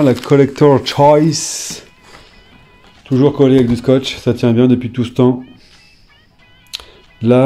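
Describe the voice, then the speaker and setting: Dark-voiced casual man chatting to viewers. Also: mid-range voice. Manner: chatty, talks straight to viewers, sudden excited exclamations; hesitant, many fillers while reading names. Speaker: YouTuber showing his old trading cards. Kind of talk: casual off-the-cuff commentary.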